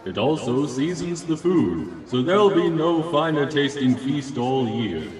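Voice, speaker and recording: An actor playing a solemn Christmas spirit in a radio play, kindly but stern, speaking in formal, measured phrases. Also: male voice, medium pitch, expressive, echoey room, far from the mic, crowd noise, natural voice, low-quality recording. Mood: calm, kindly. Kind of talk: radio play acting of a Victorian tale.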